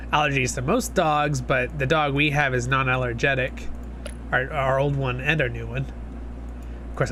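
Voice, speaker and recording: A man's voice: mid-range voice, bright, forceful tone, a little hiss or hum. Chatty young man, sniffly from a cold. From Southern California. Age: 20s. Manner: rambling, chatty, talks to chat. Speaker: streamer. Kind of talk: casual live-stream chat. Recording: music playing behind.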